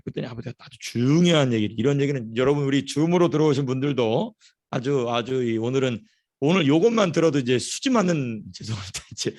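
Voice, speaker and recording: A man preaching a sermon as a pastor, telling stories in an animated way and repeating phrases for emphasis. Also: medium pitch. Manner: storytelling, animated. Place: church.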